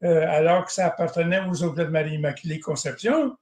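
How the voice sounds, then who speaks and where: An older man speaks in a noticeably high voice. He tells his memories in a digressive way and keeps clearing his throat. His voice echoes around a roomy space. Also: fairly quick, darkish tone. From Northern Ontario, Canada. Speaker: guest. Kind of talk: rambling personal recollection.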